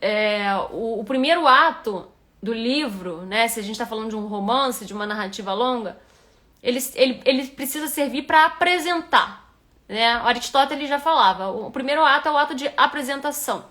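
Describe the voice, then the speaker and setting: A woman's voice: fairly high pitch, a little fast, bright, forceful tone. A woman with a Rio de Janeiro accent, a writing instructor giving a live critique of a reader's manuscript and thinking aloud with frequent restarts. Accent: Rio de Janeiro Portuguese.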